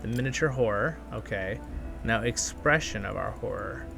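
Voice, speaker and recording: A man's voice: fairly low pitch, normal speed, gravelly. A man hosting a gaming channel, chatting enthusiastically and thinking aloud in casual gameplay commentary. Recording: music playing behind the voice. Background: music.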